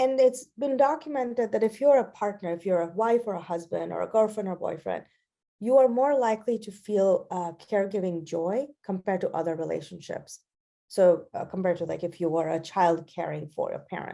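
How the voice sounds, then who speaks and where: In a Gujarati accent, a woman speaks at a medium pitch and a moderate pace, her intonation lively and her tone dark and mellow, over a quiet background. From India. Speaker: researcher. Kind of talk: lecture.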